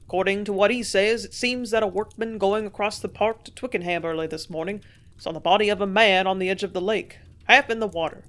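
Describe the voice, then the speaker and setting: Storybook innkeeper, read by a woman: excitable, loud, gossipy man. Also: mid-range voice, close to an everyday voice. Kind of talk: audiobook character voice.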